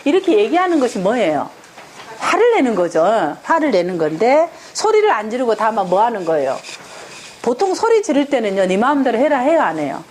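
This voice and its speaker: Female parenting instructor, lively and animated, pitched a bit high; keeps asking the class questions. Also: moderate pace, a little hiss or hum. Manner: animated, asks the audience rhetorical questions. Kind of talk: lecture to parents. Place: lecture room with an audience.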